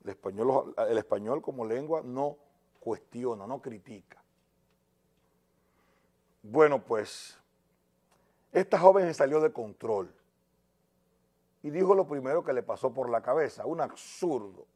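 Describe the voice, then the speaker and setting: A man's voice: mid-range voice, lively intonation, unhurried, pauses often, mellow, slightly rough. A man with a Dominican accent giving opinion news commentary in an emphatic, indignant way. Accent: Dominican Spanish. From Dominican Republic.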